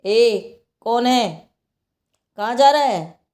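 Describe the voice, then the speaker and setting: A woman voicing a stern, suspicious male night watchman in a told story, sharp and accusing. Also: on the high side, expressive, drawn-out words. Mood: sharp challenge.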